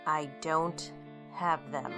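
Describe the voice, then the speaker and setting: A frightened amnesiac woman in an audio drama. She speaks slowly and deliberately in a bright, tense voice, frustrated and distressed. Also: deep voice, steady tone, faint music behind, exaggerated voice. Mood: weary, frustrated.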